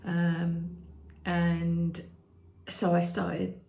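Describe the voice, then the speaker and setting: Woman, 50s, British, flat low-ish delivery with a gravelly edge; hesitant personal vlog, echoey room. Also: drawn-out words, slight background noise. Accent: British English. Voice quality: croaky at times. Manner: hesitant, many ums and restarts. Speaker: vlogger.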